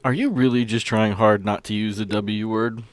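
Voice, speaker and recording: A man's voice: lowish voice, steady tone, moderate pace, a little hiss or hum. A man chatting casually at the game table as a player, talking through his moves and the rules.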